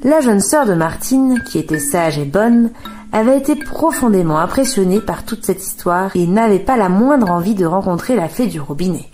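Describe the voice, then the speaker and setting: A woman narrating a children's tale in a calm, expressive storybook reading. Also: medium pitch, moderate pace. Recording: radio studio with music bed.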